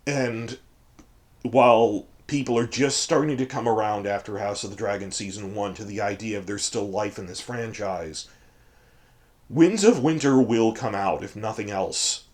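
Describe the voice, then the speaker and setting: A hoarse man with a cold, giving emphatic, digressive commentary as a fantasy fandom channel host. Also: lowish voice, measured pace, a little mellow. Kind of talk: ranting commentary.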